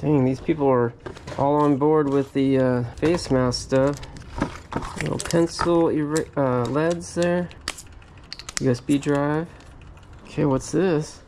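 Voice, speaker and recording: Amid a noisy background, a man with a slightly high, fairly even voice talks slowly and pauses often. He's a storage locker reseller hosting a casual unboxing vlog inside a cluttered metal storage unit, thinking aloud as he rummages through items with frequent hmms and little laughs.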